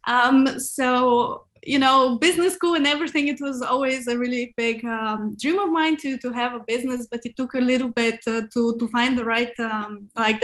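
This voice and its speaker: Young woman from Bulgaria, fairly high voice, chatty, giggly, video call. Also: fairly bright tone. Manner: chatty, giggly, many fillers. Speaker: workshop participant. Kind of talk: casual self-introduction.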